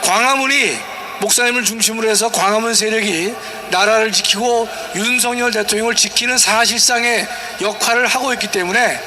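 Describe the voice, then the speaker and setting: A man's voice: high voice, a little fast, background noise. A man speaking as a guest professor, giving formal, emphatic political commentary and explanation. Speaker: guest, constitutional law professor.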